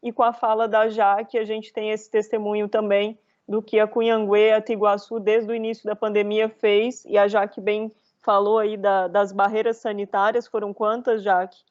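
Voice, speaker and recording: A woman law professor commenting as debater in an online webinar, measured and academic. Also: mid-range voice, level tone, darkish tone, muffled recording. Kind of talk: webinar talk. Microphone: video call.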